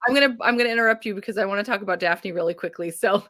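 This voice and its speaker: A woman's voice: medium pitch, very fast, a bit bright, no echo, studio quality. A woman hosting a casual book chat over a video call, upbeat and chatty, laughing often. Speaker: booktube host.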